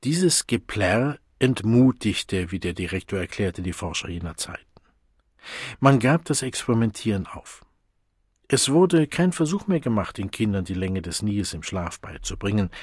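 Rauchiger Hörbuch-Erzähler. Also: male voice, fairly low pitch, dry recording, clean studio sound. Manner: measured, clear reading. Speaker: narrator. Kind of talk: audiobook narration.

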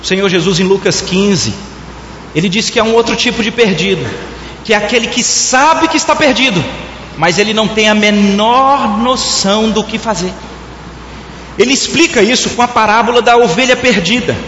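A man's voice: high-pitched, normal speed, fairly bright tone, slight background noise. A man preaching a sermon, telling a story and speaking straight to the congregation. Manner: storytelling preacher who addresses the congregation directly. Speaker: pastor. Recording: echoey hall, dull lo-fi sound.

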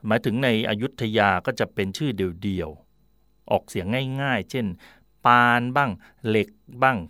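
A man's voice: on the low side, measured pace, fairly bright tone, dry recording, studio quality. A man hosting a casual talk on history and language, explaining with examples in a chatty way. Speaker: radio host.

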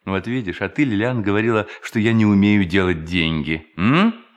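Casting: a sly robber in holy disguise, lowish voice with big swings, theatrical radio-play monologue, self-mocking mutters. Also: male voice, animated, a little slow. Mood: gloating. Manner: talks to himself, muttering and exclaiming, self-mocking. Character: gleeful sly male bank robber posing as a pious hermit. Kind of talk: theatrical audio drama monologue.

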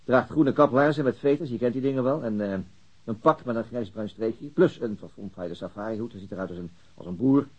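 An actor playing a weary middle-aged city detective, hesitant and understated, in a naturalistic radio drama. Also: male voice, medium pitch, fairly quick, husky, muffled recording, close to an everyday voice. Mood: musing, hesitant.

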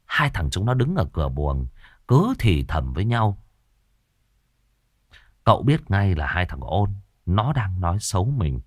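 Lively low-voiced male storyteller. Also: measured pace, long pauses, no room sound, clean studio sound. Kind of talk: ghost story narration.

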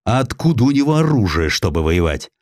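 A man's voice: fairly low pitch, very animated, brisk, a little mellow, dry recording, studio quality. A man voicing an imperious, indignant Tsar in an audiobook, curt and authoritative in his delivery. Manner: curt, authoritative exclamations and orders.

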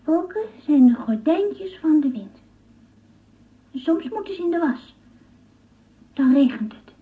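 A whimsical little girl prattles naively in a radio play. Her voice is high and childlike, full of curiosity. The recording is old, muffled and narrow. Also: lively intonation, takes it slowly. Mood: dreamy, whimsical. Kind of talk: Dutch radio play acting.

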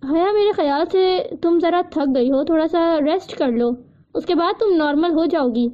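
A woman reading the lines of a calm, caring young man who talks gently and soothingly to a friend, in an audiobook. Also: very high voice. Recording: dull lo-fi recording.

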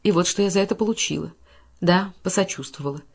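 A furious, wounded wife, played by a woman reading a novel aloud. Her voice climbs high and goes shrill and bitter as her anger grows. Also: fast talker, gravelly, slightly rough.

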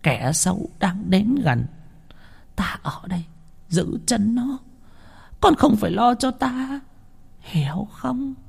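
Man doing a shrill hunched old grandmother. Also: lively intonation, slow pace, vocal fry, long pauses, husky, exaggerated voice. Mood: grave urgent. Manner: pleading then shrieking in fury. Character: frail hunched old grandmother, fierce and desperate.

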